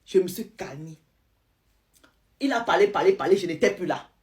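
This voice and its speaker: A woman, telling a listener's story to her audience in a lively, dramatic way. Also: on the low side, moderate pace. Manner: lively, retells a follower's account in first person. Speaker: storyteller host.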